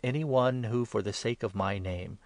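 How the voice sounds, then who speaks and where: A man reading scripture voices a calm, authoritative male teacher who speaks in a measured, solemn way. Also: lowish voice, dry recording, lightly acted.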